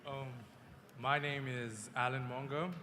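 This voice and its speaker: A man's voice: mid-range voice, little pitch movement, unhurried, bright, forceful tone, a little hiss or hum. A teenage boy from Zambia introducing himself briefly and shyly on a panel. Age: teens. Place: convention hall. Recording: roomy hall, off mic.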